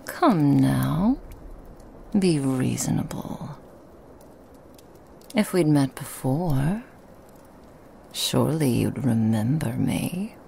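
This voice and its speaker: A woman's voice: very deep voice, animated, drawn-out words, vocal fry, long pauses, slight background noise, full character voice. A woman playing a sly Christmas demoness. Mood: teasing whisper. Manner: soft whispering, teasing and insinuating. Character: seductive female Christmas demon, sly and menacing. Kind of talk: ASMR roleplay.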